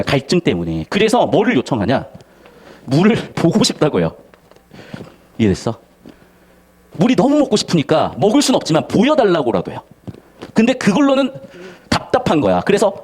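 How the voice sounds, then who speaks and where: Guy tutor lecturing students, quick and animated, acts out the lines, slangy. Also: high voice, breathy edge. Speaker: Korean language and literature tutor.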